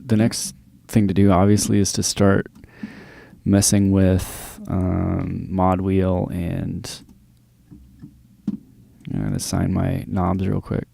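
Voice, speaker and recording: A man giving a casual, unscripted music software tutorial, explaining in a loose, halting, informal way. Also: low-pitched, monotone, vocal fry, no room sound. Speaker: music production tutorial presenter. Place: indoors, close dry voice-over of screen recording.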